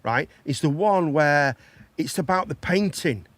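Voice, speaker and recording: A man's voice: fairly high pitch, animated, measured pace, no room sound. A man with a Black Country accent hosting a casual live chat show, effusive and repeating himself for emphasis. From Dudley, England. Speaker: host of a live talk show.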